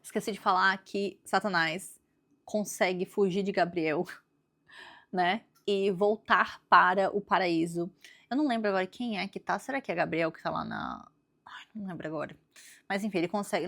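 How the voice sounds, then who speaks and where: A woman with a Brazilian accent chats through a book review in a casual, animated way, often thinking aloud. Her voice sits at a middling pitch. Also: normal speed, creaky. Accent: Brazilian Portuguese. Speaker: book vlogger.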